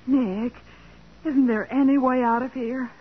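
An actress playing a spirited, independent young secretary with an American accent, outspoken and teasing in 1940s radio style. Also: female voice, high-pitched, steady tone, unhurried, loud music behind the voice. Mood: despairing. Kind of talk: 1940s radio drama acting. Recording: tinny, narrow vintage radio recording.

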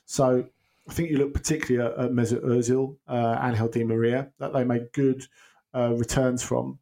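Appearing as a guest football pundit on a podcast, a man offers casual analysis while thinking out loud. His medium-pitched voice has vocal fry and a somewhat dark tone, and he sounds hesitant, restarting often and filling gaps with ums.

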